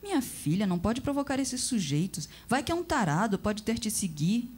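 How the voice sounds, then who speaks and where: A woman's voice: a little high, very animated, moderate pace, a little mellow, breathy edge. Woman putting on a fretful old mother. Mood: fretful scolding. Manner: fretful, scolding. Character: worried fussy elderly mother.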